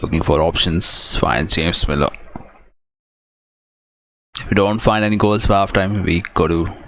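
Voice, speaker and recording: A man with a very low-pitched voice and a South Asian accent hosts a live football stream. He calls the play in short, clipped fragments, mixing commentary with casual watch-along remarks. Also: measured pace, a bit bright, slight background noise.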